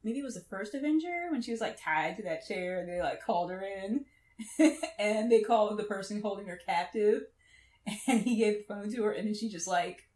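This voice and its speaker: A woman co-hosts a casual pop-culture podcast, enthusiastic and saying "like" constantly. Her voice is medium-pitched and a little mellow, and she talks fairly quickly. The room sounds echoey.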